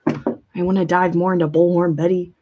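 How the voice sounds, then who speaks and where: A woman's voice: lowish voice, flat delivery, moderate pace, mellow. A woman hosting a casual livestream, rambling and thinking aloud in a blunt, informal way and swearing freely. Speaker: live streamer, host. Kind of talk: casual livestream chat, commentary, reading viewer comments aloud.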